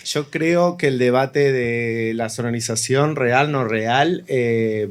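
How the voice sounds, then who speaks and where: A man with a medium-pitched voice speaks as a panelist in a reflective discussion. He sets out his view piece by piece, in short phrases that often echo each other. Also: slow, clean tone. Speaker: audio fiction panelist.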